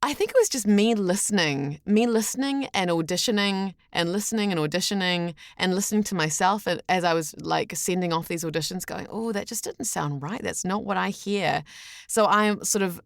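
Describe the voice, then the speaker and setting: A woman with a New Zealand accent chatting as an interview guest, telling anecdotes in a halting, chatty way full of "like". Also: on the low side, creaky, no echo, clean studio sound. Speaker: podcast guest, voice actor.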